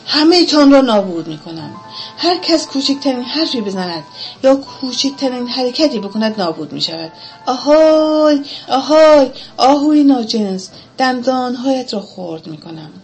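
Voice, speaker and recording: A giant black storm cloud, as a woman voices it, roaring threats loud and high above her usual voice. The menace is storybook-style, with faint music running behind. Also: sing-song. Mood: raging.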